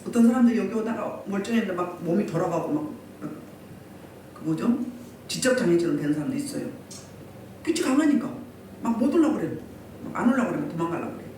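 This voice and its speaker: A woman's voice: medium pitch, animated, quick pace, long pauses, warm tone, a little hiss or hum. A woman pastor preaching a Sunday sermon and pressing the congregation with repeated rhetorical questions. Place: church sanctuary. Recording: echoey room from far off.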